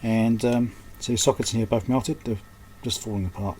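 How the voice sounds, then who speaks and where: Against a noisy background, a man with a lowish voice gives off-the-cuff repair commentary at his indoor electronics workbench, muttering short fragments as technician and host. He talks at normal speed with fairly even intonation.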